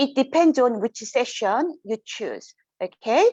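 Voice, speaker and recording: Over a quiet background, a woman with a Korean accent speaks at a high pitch with very wide pitch swings. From South Korea. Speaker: test centre staff member. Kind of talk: guided tour demonstration. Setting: test centre. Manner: casual, hesitant with fillers.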